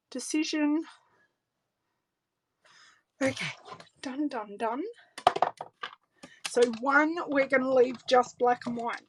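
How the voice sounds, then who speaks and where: A woman's voice: on the high side, no echo. A middle-aged Australian woman demonstrating card making on a live stream, chatting casually and thinking aloud as she works. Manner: chatty, relaxed, thinks aloud while working. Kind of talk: live craft tutorial with viewer greetings. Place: home craft room, indoors. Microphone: overhead camera setup, hands on desk.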